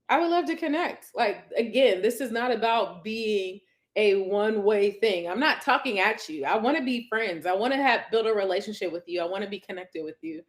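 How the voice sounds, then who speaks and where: A fairly high-voiced woman chats warmly to viewers from her couch at home. She is effusive and talkative, greeting each person in the chat and reading their comments aloud. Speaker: lifestyle coach hosting a live stream. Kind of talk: casual live-stream chat.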